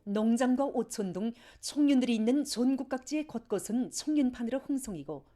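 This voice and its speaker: A woman's voice: fairly high pitch, dark tone. A woman with a North Korean accent reading formal scripted news in a solemn, declamatory state-broadcast manner. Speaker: news announcer.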